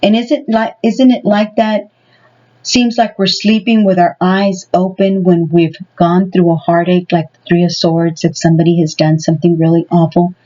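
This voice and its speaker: A woman's voice: fairly low pitch, little pitch movement, moderate pace, mellow, highs cut off. A woman giving a casual tarot reading to her viewers. She talks in a rambling way and fills her sentences with many "you know"s. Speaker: tarot reader.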